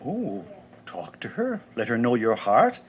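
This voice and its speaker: An actor playing a kindly male mentor who gives gentle advice in a husky voice. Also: mid-range voice, huge pitch swings, a little slow, a little hiss or hum. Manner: gentle, advising.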